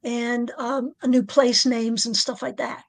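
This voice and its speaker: Soft-spoken woman author, dry close sound. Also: flat delivery, gravelly, no echo. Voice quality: low alto voice. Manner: soft-spoken, halting, with light laughs. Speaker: author guest. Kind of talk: casual podcast interview.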